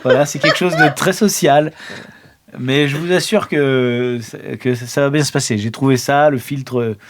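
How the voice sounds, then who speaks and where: A man's voice: medium pitch, fairly even intonation, a little slow. A man playing a tabletop role-playing game, chatting casually and improvising in character.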